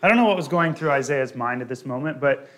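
A man preaching a sermon, working through a Bible passage in a deliberate way and lifting his voice on quoted scripture. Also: medium pitch, lively intonation, a bit bright.

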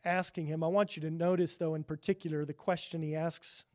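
High-voiced man preaching a sermon. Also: level tone, a little fast. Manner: earnest preaching, rising loud on scripture, dropping quiet for asides. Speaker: pastor.

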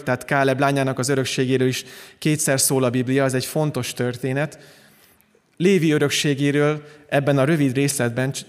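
A man delivering a sermon as pastor, calm and earnest, often restarting his phrases. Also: medium pitch, big-room sound.

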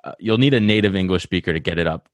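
A man with a Rhode Island accent chats casually on a podcast, talking eagerly and at length and often interrupting himself to restart sentences. His voice is low and his pace quick. The studio-quality recording has no room sound.

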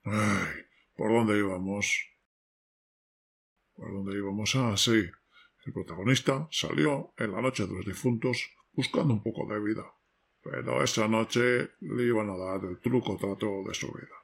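A man playing a grumpy, sardonic ghoulish father in an audio drama, with a low rasping voice. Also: unhurried, full character voice. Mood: irritated. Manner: grouchy, sardonic. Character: grumpy, sardonic ghoulish father telling horror bedtime tales.

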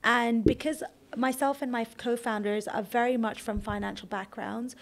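A young adult woman from Kenya, a startup founder, answering interview questions in a relaxed, conversational way with occasional fillers. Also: on the high side, moderate pace, vocal fry. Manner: conversational, explains at length with fillers and restarts.

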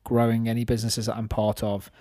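A man's voice: mid-range voice, monotone, fast, dark tone, no room sound. Thirty-year-old man chatting, dry close sound. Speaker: podcast host and business owner. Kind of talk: casual podcast chat.

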